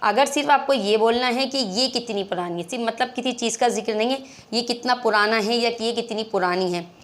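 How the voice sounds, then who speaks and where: A woman's voice: on the high side, a little fast. A woman with a South Asian accent and native Hindi-Urdu, teaching English in an instructive, repetitive way with frequent check-ins. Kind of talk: spoken lesson explaining English questions in Hindi-Urdu.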